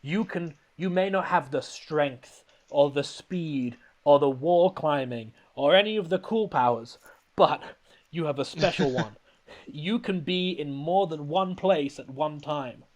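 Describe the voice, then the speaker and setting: A man voicing a solemn male tribal elder in a slow, mock-solemn delivery. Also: fairly high pitch, lightly acted.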